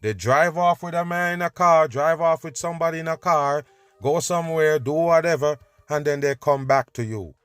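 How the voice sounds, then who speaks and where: A man's voice: fairly high pitch, moderate pace, a bit bright, clear, resonant tone, no room sound, faint music behind. A male host reacting to video clips with emphatic, scornful commentary, urging listeners to pay attention.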